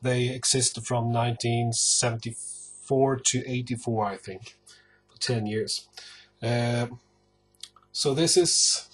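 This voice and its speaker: A man from northern Sweden with a Swedish accent, talking casually to camera about his record collection in an unhurried, hesitant way full of pauses. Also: mid-range voice, fairly bright tone.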